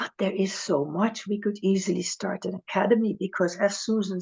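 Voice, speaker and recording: A woman's medium-pitched voice in a Dutch accent at a moderate pace. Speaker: regression therapist and trainer. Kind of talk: panel talk. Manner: halting at times, searching for words.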